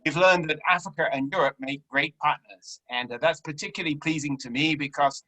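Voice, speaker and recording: A man's voice: fairly high pitch, normal speed, bright, forceful tone, rough recording. A man giving a closing speech at an online conference in an informal, conversational way. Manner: conversational, with fillers. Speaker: conference speaker.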